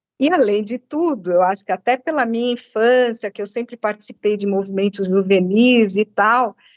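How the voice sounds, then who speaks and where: A woman's ordinary speaking voice, fairly high in pitch, at a moderate pace with hardly any pauses and ordinary pitch variation. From Brazil. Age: 60s. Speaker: entrepreneur and speech therapist. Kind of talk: interview.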